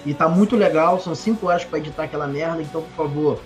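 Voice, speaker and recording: A man's voice: a little high, rapid-fire, soft background music. A Brazilian man in casual live sports banter, blunt and playfully grumbling. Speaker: show regular, panelist.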